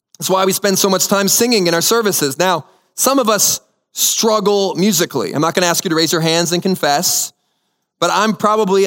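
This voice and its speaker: The recording is very clean, with a silent background. A man speaks at a high pitch with ordinary pitch variation. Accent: American. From Texas, Houston area. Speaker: pastor. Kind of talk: sermon. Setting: church.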